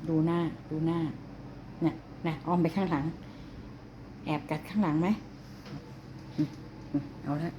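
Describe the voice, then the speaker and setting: A woman's voice: on the low side, steady tone, unhurried, pauses often, background noise. A woman filming her cats at home, chatting to them fondly and scolding them like children. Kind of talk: casual vlog narration. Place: home indoors.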